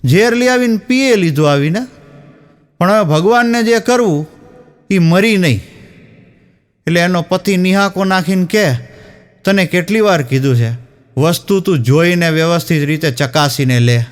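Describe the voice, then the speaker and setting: A man's voice: sits high, animated, moderate pace, long pauses. A man telling a string of jokes on stage, acting out the lines of each character as he goes. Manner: storytelling, acting out dialogue. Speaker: stand-up comedian. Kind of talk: telling jokes to a live audience.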